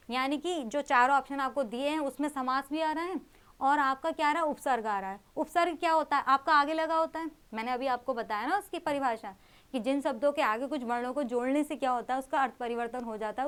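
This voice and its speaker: A woman's voice: high-pitched, a bit bright. A young woman teaching an exam-prep grammar lesson, explaining with rhetorical questions and repeating key terms.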